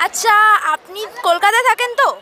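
A young woman with a Bengali accent, hosting a lively vox pop street interview with a handheld mic outdoors. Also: extremely high pitch, brisk, a little hiss or hum. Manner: lively, chatty presenter. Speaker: street reporter and host. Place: crowded churchyard lawn outdoors. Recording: outdoor crowd in the background.

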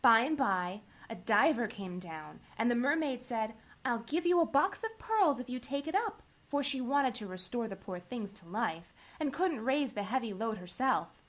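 A young lady carries the story on in a soft, chatty way, as a woman reader puts her on. Her voice is high and swoops freely. It is a storybook reading. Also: lively intonation, normal speed, few pauses. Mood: musing. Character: young woman Sally, flustered then inventive.

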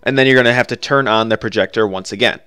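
A man's voice: medium pitch, quick pace, sharp tone, clear, resonant tone. A man narrating a step-by-step video game guide in an informal, offhand, conversational way.

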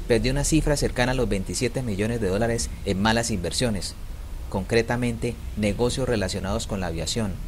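Low-voiced man narrating a countdown. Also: a little hiss or hum. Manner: announces ranking numbers louder and slower.

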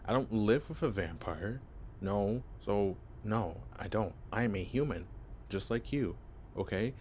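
A bashful young vampire stumbles over his words, deep-voiced and unhurried as he fumbles through a cover story, played by a young man. The delivery is awkward and hesitant, full of nervous restarts. A faint hiss sits under the ASMR audio. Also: a little mellow, natural voice. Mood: flustered, awkward. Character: shy, clueless young male vampire posing as human. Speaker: voice actor.

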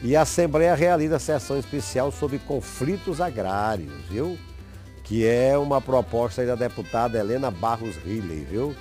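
Man in his 50s, tv host, folksy chatty, mid pitch, lapel mic, faint music bed. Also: moderate pace, darkish tone. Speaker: TV show host. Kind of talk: local TV show hosting. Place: TV studio set.

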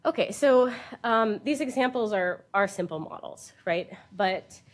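A woman's voice: medium pitch, expressive, unhurried. A woman researcher presenting a scientific lecture, explaining in plain terms with informal asides. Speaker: university researcher giving a keynote. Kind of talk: scientific conference lecture with slides.

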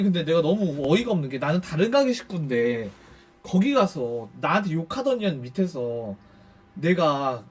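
A man telling a personal story on his stream in a casual, animated way, swearing freely and acting out what others said. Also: sits high. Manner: animated, swears freely, acts out quoted speech. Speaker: YouTuber storyteller.

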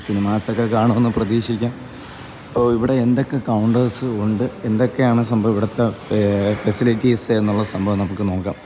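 This vlogger speaks a little fast in a lowish, steady voice while touring an empty building, holding his phone camera as he walks. He sounds eager, leaning on the same stock compliments again and again, with clear street noise in the phone recording.

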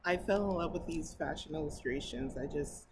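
A middle-aged American woman with a low voice reads a picture book aloud at a library storytime, speaking at normal speed and adding enthusiastic, chatty asides. She sounds expressive and exclamatory, standing indoors before a painted mural. The recording is low quality, with clear, steady background noise.

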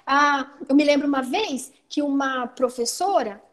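A Brazilian woman teacher giving an online training talk, explaining in a lively way and often adding "né" to check that she is followed, over a video call. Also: high-pitched, a little slow. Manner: lively, explanatory, frequent "né" tags.

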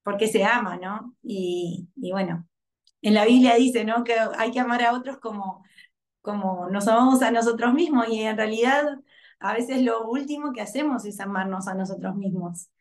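Thirties woman, soft and hesitant, video-call laptop mic at home. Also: fairly high pitch, moderate pace. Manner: soft, hesitant, many fillers and restarts. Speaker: workshop participant, mother. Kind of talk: reflective testimonial over video call. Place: home living room.

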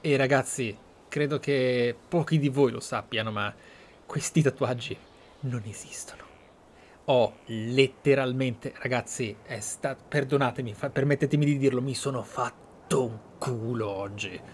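Male streamer, mid-pitched, dramatic and deliberate, emphatic game narration, faint background noise. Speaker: gaming streamer, host. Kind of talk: emphatic roleplay let's play commentary.

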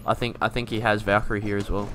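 A man's voice: on the low side, flat delivery, fast, a bit bright, slight background noise. A young man giving casual gameplay commentary as a video creator, laid-back, thinking aloud and swearing now and then. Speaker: gaming YouTuber.

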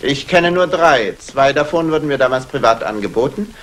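An actor playing a courteous, self-assured London jeweller in a 1960s German radio crime play, formal in manner. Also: male voice, mid-range voice, lively intonation, normal speed, a bit bright, lightly acted. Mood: smooth, courteous. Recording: noisy old radio play recording.

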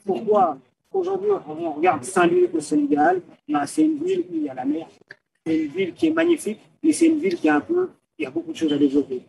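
A man's voice: very high voice, fast, gravelly, darkish tone. A man from France who grew up there, earnestly laying out his plans in long lists during an interview in a small padded booth. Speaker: guest entrepreneur. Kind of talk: interview answers. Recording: distant mic.

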